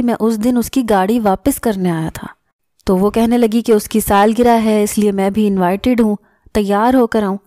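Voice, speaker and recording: A woman's voice: fairly high pitch, mellow, dry recording, studio quality, close to an everyday voice. A woman voicing a young male mechanic husband who teases his new wife, in a scripted audio story. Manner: mocking, laughing tone at times.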